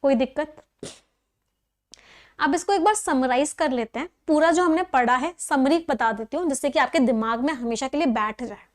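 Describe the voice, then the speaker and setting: A woman with a high, bright-toned voice teaches a grammar class. She explains each rule step by step, repeats the key points and often asks the students whether anything is unclear. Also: normal speed.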